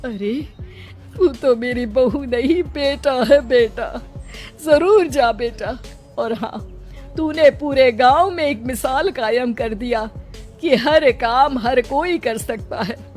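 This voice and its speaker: A woman's voice: high voice, takes it slowly, a little mellow, faint music behind. A woman voicing a worried elderly village mother-in-law in a cartoon, talking in a pleading, fretful way. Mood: proud. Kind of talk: cartoon voice acting.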